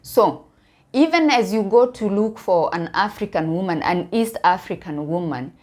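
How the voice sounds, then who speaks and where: A woman from Kenya with a Kenyan accent, talking casually to viewers about her opinions in a halting way, repeating words for emphasis. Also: mid-range voice, lively intonation, a little mellow. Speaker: online video commentator.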